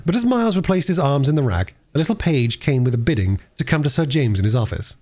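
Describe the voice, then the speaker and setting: A man's voice: medium pitch, lively intonation, fast, a little mellow. A man reading a classic novel aloud expressively, as an audiobook narrator. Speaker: audiobook reader and livestreamer.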